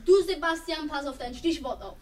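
A performer in a German children's radio play voicing an organised schoolboy who instructs his friends in a brisk manner. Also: high voice, close to an everyday voice. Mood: directing.

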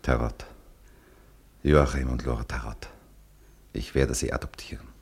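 A loyal French friend in a radio drama, with an extremely deep, gravelly voice. He is calm and measured, consoling and reassuring, and the husky sound sits close and steady. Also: no echo, heavily acted. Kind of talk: German radio drama acting.

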